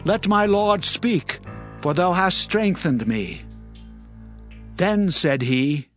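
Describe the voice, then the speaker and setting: A man's voice: high-pitched, big pitch swings, slow pace, heavily acted. A man playing an awestruck, humble Hebrew prophet who recounts his vision earnestly and reverently in a dramatized scripture reading. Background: music.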